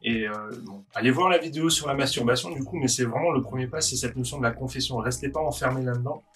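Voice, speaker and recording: A man hosting a Christian video talk, encouraging viewers with many halting restarts. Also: mid-range voice, fairly bright tone, faint music behind. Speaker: host of Christian video channel.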